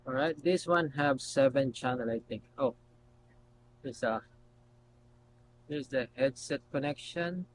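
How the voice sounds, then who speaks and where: A man hosting a casual unboxing video, talking haltingly as he thinks aloud while handling things. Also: mid-range voice, noisy background. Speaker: video host.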